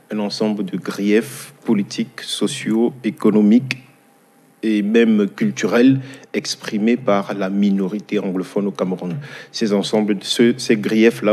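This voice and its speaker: A male interviewer with a low, slightly husky voice asks long, formal questions. He talks at a measured pace and pauses with hesitation sounds between phrases. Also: darkish tone.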